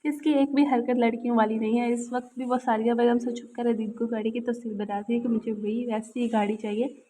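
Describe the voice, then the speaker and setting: A woman narrating a family romance novel as an audiobook, steady and expressive. Her voice sits a little high, and a faint hiss of noise runs under the recording. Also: brisk.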